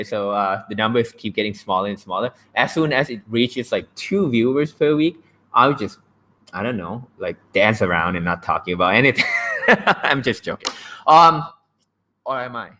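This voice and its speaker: A man's voice: medium pitch, expressive, moderate pace, pushed and bright. A young man from Thailand with a Thai accent, hosting a casual livestream about language learning, blunt and joking and often checking in with "right?". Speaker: livestream host.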